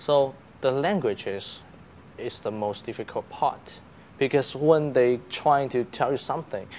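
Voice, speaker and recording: In a Chinese accent, a man speaks fairly slowly at a medium pitch with ordinary pitch variation. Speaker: university student and entrepreneur. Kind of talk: interview. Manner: halting.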